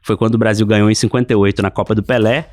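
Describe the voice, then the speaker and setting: A Brazilian man, a newspaper editor, answering questions in a podcast interview, quick and hesitant with repeated words. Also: on the low side, steady tone, a little mellow, slight background noise. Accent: Brazilian Portuguese. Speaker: newspaper sports editor, guest.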